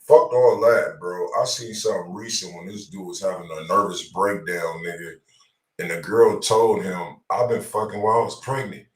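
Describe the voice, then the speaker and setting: A man's voice: deep voice, fairly even intonation, moderate pace. A man co-hosting a casual talk show, slangy and profane, jumping in with his opinions, in an echoey room sound. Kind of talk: casual chat. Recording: roomy, echoey voice pickup.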